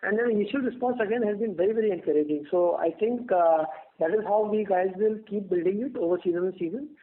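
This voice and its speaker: Speaking fast in a high voice, this Indian-accented executive explains things while fielding earnings call questions, often repeating words mid-thought. The audio is a thin, tinny phone line.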